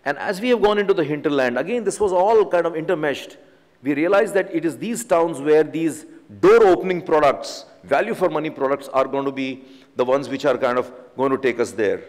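A man in his forties with an Indian English accent delivers an earnest business keynote, pressing his points and filling gaps with "you know". His voice sits a little high. He speaks into a podium microphone, and the sound rings in a large conference hall with a long reverb. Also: a little fast. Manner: earnest, emphatic business advice, frequent "you know" fillers. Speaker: company chief executive speaking at a conference.

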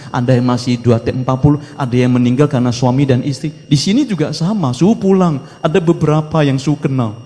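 A male Buddhist monk giving a dharma talk, preaching with emphatic exhortations and Mandarin chant phrases mixed in. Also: mid-range voice. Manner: emphatic rising exhortations, trailing off softly. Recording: long reverb of a hall.

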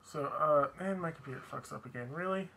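A man's voice: a little high, fairly quick, vocal fry, bright, forceful tone. A man co-hosting a casual wrestling podcast, conversational and ready to disagree, recorded in an echoey room. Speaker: podcast co-host.

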